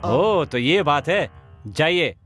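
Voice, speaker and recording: A man's voice: a little high, very animated, slow pace, fairly bright tone, breathy edge, full character voice. An actor playing a sly young nephew who threatens to expose his uncles, in a slapstick film comedy. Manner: sly, needling. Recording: film audio with music score.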